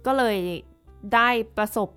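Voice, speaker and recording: A woman in her twenties hosting a casual podcast chat, telling stories in an animated way. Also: unhurried, faint music behind. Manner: animated storytelling. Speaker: podcast host.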